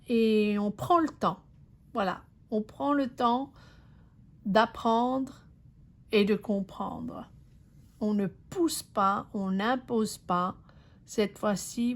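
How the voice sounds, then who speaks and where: Slow, hesitant woman reading tarot. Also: on the high side. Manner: slow, hesitant, many fillers and restarts; reassuring, addresses the viewer directly. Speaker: tarot reader.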